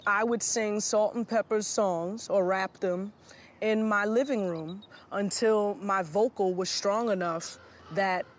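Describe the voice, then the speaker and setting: A woman's voice: medium pitch, takes it slowly. A woman rapper with a punchy, confident delivery in a mid-range voice. She raps a verse and talks through interview answers. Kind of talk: rap verse and interview talk.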